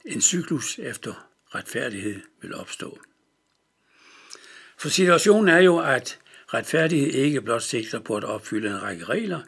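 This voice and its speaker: A male preacher gives a radio devotional in a calm, measured way. His voice is gravelly with a husky edge, and he sits at a middle pitch for a man. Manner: calm, measured explanation of scripture.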